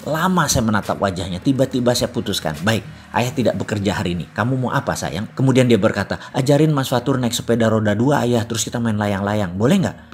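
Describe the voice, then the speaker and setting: A middle-aged man narrating a personal story in a reflective way, acting out his own inner voice. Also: mid-range voice. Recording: faint music underneath.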